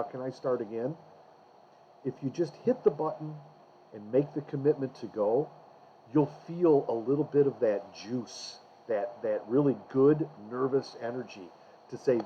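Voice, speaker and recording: A man teaching public speaking, addressing his students directly in a conversational, coaching way in a recorded course introduction. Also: medium pitch. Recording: dull lo-fi recording with faint hiss.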